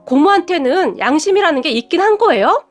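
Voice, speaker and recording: A woman's voice: extremely high pitch, sing-song, fairly quick, pitched above the performer's own voice. A woman reading an indignant young wife. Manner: sharp, retorting. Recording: faint music behind.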